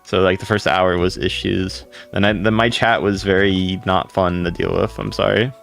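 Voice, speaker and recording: A man with a deep voice chatting casually on a livestream, rambling and greeting viewers by name. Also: little pitch movement, normal speed, vocal fry, fairly bright tone, soft background music.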